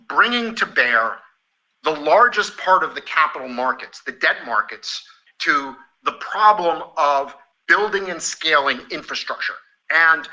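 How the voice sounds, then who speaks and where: A man with a very bright, sharp voice set a little high, speaking as a company executive on an earnings call. He is emphatic and enthusiastic, and sometimes halts and repeats himself as he builds his answer. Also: rough recording.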